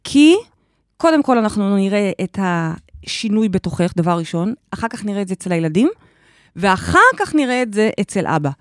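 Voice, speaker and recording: A woman's voice: mid-range voice, animated, no room sound, clean studio sound. A woman hosting a podcast chat, guiding a guest with emphatic step-by-step explanations. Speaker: host and life coach. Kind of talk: guidance in a casual podcast chat.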